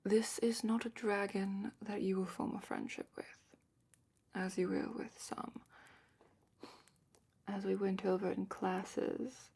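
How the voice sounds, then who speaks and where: Female performer as dragon expert, ASMR roleplay. Hushed and matter-of-fact, breathy half-whisper with creaky edges, explanatory. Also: mid-range voice, flat delivery, takes it slowly, full character voice. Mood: calm, instructive. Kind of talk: soft-spoken fantasy ASMR roleplay, partly whispered.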